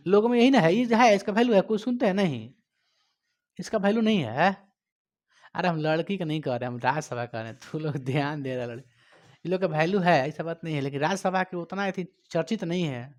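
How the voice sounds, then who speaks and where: Bihari coaching teacher, loud to quiet. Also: male voice, a little high. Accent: Bihari Hindi. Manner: scolds and quizzes students, swings from loud to quiet. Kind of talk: classroom lecture.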